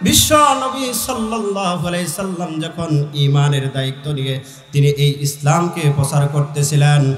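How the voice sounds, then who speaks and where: A man with a Bangladeshi accent preaching a fervent Islamic sermon, declaiming in a drawn-out sing-song way and urging his listeners on. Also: fairly high pitch, roomy sound, faint music behind. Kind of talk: fervent Bengali waz sermon with chanted verse and recitation.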